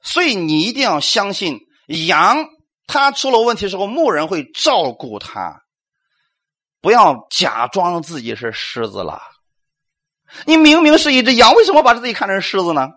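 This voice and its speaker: A man preaches a sermon in a high voice that swoops up and down with lively energy. He fires rhetorical questions at the congregation, acts out little quotes and keeps calling for amens. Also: moderate pace. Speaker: pastor.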